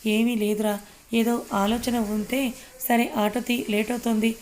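A woman's voice: fairly high pitch, little pitch movement, moderate pace, a little mellow, a little hiss or hum, natural voice. A woman voicing a guarded young wife. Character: young married woman, guarded and quick to anger.

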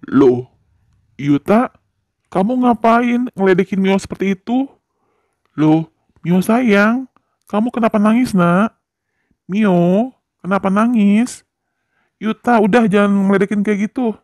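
A man voicing a tired office-worker father who scolds his children calmly, in an amateur game-animation drama. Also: high voice, slow pace, long pauses, no echo, clean studio sound. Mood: concerned.

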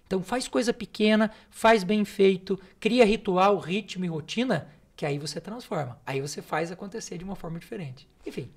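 A man's voice: high-pitched, normal speed, creaky, few pauses, slightly rough. A man as the guest on a podcast interview, blunt and emphatic, swearing casually. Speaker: guest speaker, neuroscience mentor.

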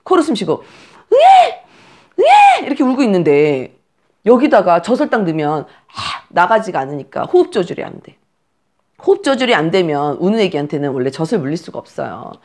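A woman instructor coaching new mothers on breastfeeding, speaking directly and emphatically, firing off blunt instructions. Her pitch swings widely and animatedly, and she keeps lapsing into little acted-out scenes. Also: very animated, fairly quick, a little mellow. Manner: direct, emphatic, uses commands and acts out scenes. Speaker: postpartum care and breastfeeding instructor.

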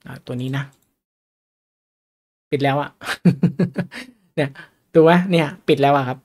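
A stock market teacher with a medium-pitched, slightly mellow voice speaks at a moderate pace with fairly even intonation, over a little hiss or hum. His chatty lesson on reading stock charts is full of questions tossed to his listeners.

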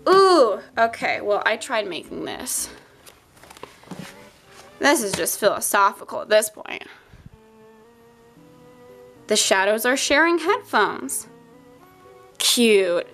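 Chatting through her sketchbook, a young art YouTuber with a blocked nose rambles, jokes about herself, and wanders into asides. She speaks slowly with long pauses, in a medium, slightly bright, animated voice, with faint music in the background.

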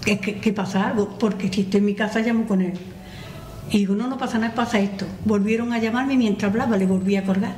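Older woman guest, animated storyteller, roomy hall with noise. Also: mid-range voice, fast talker. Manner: animated, retelling a scare. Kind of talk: casual storytelling. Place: community hall with audience. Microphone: table mic on stand.

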